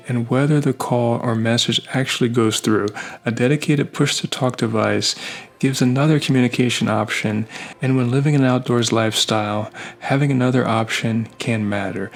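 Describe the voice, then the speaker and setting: A man delivers scripted product review narration in a mid-range voice with noticeable vocal fry. He speaks in measured, short phrases and plain statements, like a reviewer walking through a device step by step. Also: mid-range voice.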